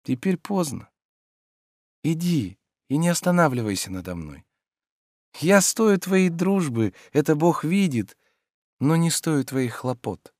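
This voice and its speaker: A man voicing a weary, gentle landowner who pleads softly and shrinks back, in an audiobook reading. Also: a little high, sing-song, slow pace, no echo, studio quality, pitched above the performer's own voice, heavily acted. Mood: resigned.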